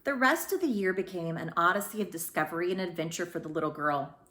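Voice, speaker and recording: A woman narrating a children's storybook as a read-aloud storyteller, with dramatic, deliberate phrasing. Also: lowish voice, a bit bright. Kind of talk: expressive scripted storybook narration.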